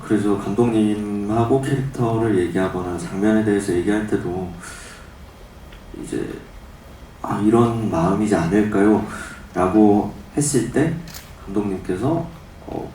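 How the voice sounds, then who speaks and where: An actor answering at a press conference, thoughtful and soft-spoken. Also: male voice, on the low side, slight background noise. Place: cinema press conference hall. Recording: echoey hall from far off.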